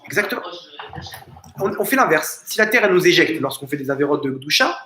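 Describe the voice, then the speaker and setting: Rabbi, male, somewhat high voice, emphatic lecturing with restarts, roomy home recording. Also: very animated, brisk, bright, forceful tone, slight background noise. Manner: emphatic, fond of rhetorical questions and repeated phrases; frequent restarts and stumbles. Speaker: rabbi giving a lesson. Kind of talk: informal religious lesson. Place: family home. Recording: echoey room.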